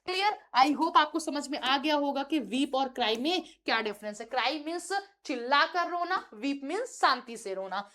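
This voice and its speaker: A woman's voice: high voice, lively intonation, moderate pace, few pauses, sharp tone. A woman teaching English in Hindi, explaining with vivid examples and putting questions to her viewers. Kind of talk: spoken-English lesson in Hindi.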